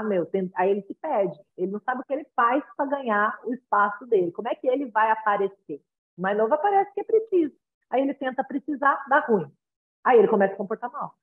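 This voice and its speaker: Brazilian lady parenting coach on a video call, chatty, keeps asking "right?", sounds thin like a phone line. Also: mid-range voice. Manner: conversational, frequent tag questions, acts out child and parent lines. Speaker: parenting consultant. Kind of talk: advising parents in a consultation.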